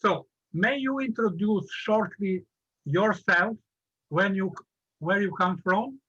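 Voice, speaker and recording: A man hosting an online interview, speaking slowly in broken, halting phrases. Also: sits high, bright, forceful tone, breathy edge, lo-fi sound. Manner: slow, broken phrasing, non-native. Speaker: interview host. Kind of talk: online video-call interview. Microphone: video call.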